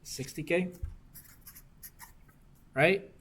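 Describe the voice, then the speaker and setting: A man's voice: on the high side, extremely slow, fairly bright tone, breathy edge. A young man working circuit homework problems for a class, often asking "right?" to check that students follow. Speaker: engineering discussion instructor.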